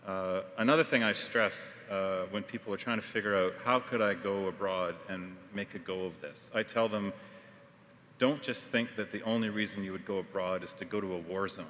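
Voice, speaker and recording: A man who teaches journalism, speaking on a panel in measured sentences with frequent fillers. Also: low-pitched, steady tone, fairly bright tone. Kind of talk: panel discussion. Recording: reverberant hall, faint noise.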